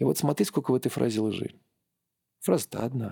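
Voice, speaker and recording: A man's medium-pitched voice with vocal fry and a dark, mellow tone, at a fairly quick pace, in a dry, close sound with no echo. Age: 40s. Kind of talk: casual chat.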